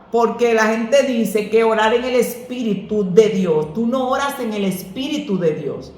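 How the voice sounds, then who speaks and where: A woman pastor, answering questions about prayer in an earnest, preacherly way that slips into lively storytelling. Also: a little high. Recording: echoey room.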